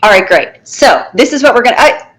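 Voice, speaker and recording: A middle-aged woman, a special needs teacher, talking in an interview in a firm, animated way and acting out what she says to her class. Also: fairly high pitch, brisk, rough recording. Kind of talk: conversational interview.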